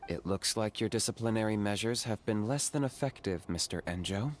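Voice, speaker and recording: A man's voice: fairly low pitch, lively intonation, fairly quick, a little hiss or hum, close to an everyday voice. An actor playing a stoic young male hunter in a video game, curt and matter-of-fact.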